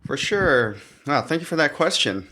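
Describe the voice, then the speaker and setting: A young man from the Philippines, a cybersecurity professional, answering questions as a podcast guest, talking haltingly with many restarts. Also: fairly high pitch, big pitch swings, sharp tone. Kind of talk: podcast interview.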